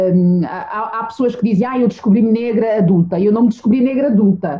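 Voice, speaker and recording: Her voice sits at medium pitch and is somewhat breathy. The woman speaks at a moderate pace with ordinary pitch variation. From Portugal. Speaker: journalist and author. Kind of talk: interview conversation. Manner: halting, many fillers.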